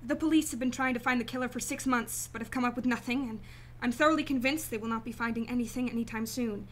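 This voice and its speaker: A woman's voice: a little high, fairly even intonation, fast talker, slight background noise, lightly acted. A woman playing a guarded, determined client in a sci-fi radio drama, speaking earnestly, firmly and formally. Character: determined, guarded female client seeking her brother's killer. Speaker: actress in a radio play.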